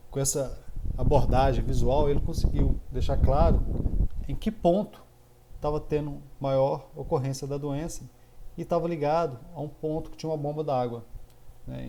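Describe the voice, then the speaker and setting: Brazilian mineiro male professor, mid-pitched, rambling filler-laden lecture delivery, noisy recording. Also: moderate pace, dark tone. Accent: Brazilian Portuguese, mineiro. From Minas Gerais, Brazil. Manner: filler-heavy, frequent "né", loose explanatory pacing. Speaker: university computing professor. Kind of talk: recorded online course lecture.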